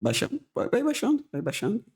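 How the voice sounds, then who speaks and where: Mellow-voiced Angolan man. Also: high-pitched, wildly swooping pitch, fairly quick, vocal fry. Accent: Angolan Portuguese. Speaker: podcast guest. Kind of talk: conversational interview.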